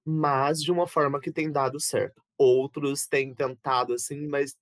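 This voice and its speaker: A man's voice: mid-range voice, flat delivery, unhurried, no echo. Teasing man, dry sound. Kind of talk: casual chat.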